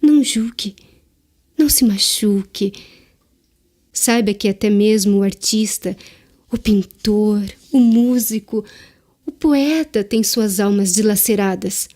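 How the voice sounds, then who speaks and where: A woman with a Brazilian accent playing Death as a mysterious, seductive figure in an audio drama, solemn, measured and knowing. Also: mid-range voice, darkish tone, natural voice. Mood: solemn, serene.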